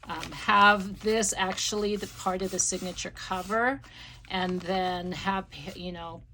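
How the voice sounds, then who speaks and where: A woman's voice: mid-range voice, fairly even intonation, slow, pushed and bright, slight background noise. A woman hosting a casual crafting tutorial, losing her voice with a slight cough, rambling with many ums and restarts. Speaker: craft channel host.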